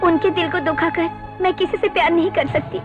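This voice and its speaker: A woman's voice: very high voice, fairly even intonation, a little fast, loud music behind the voice. An actress dubbing a frightened young woman, torn between love and family, pleading desperately. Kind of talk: Hindi film dubbing. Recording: muffled film audio, loud score and crowd.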